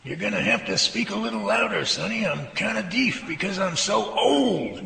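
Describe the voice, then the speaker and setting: A man's voice: high-pitched, lively intonation, normal speed, gravelly, pushed and bright, full character voice. A man acting a sarcastic, folksy, proud old man in an amateur radio drama. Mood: mock frail sarcasm. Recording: roomy, echoing home recording with reverb.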